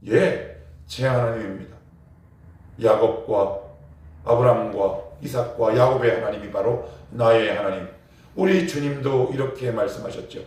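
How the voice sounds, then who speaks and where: A man preaching an emphatic sermon, often throwing questions out to the congregation. His mid-pitched voice reaches the mic from a distance and rings through a heavily echoing church hall. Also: unhurried, darkish tone. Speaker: pastor. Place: church sanctuary, morning prayer service. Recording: very echoey church from far off.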